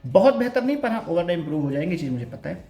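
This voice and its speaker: A man's voice: sits high, sing-song, rapid-fire, dark tone, echoey room, soft background music. A young man chatting casually to viewers with self-mocking humor, giving study advice as an exam aspirant. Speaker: bank exam aspirant vlogger.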